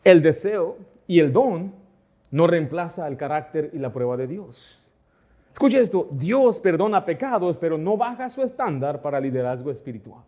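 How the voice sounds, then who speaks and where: A man's voice: fairly high pitch, sing-song, moderate pace, dark tone. A middle-aged man pastor preaching a sermon in church, asking the congregation rhetorical questions and acting out quoted conversations.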